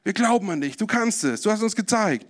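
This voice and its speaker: A preacher voicing an excited crowd of onlookers who cheer loudly in slangy shouts. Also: male voice, sits high, fairly quick, voice pushed up.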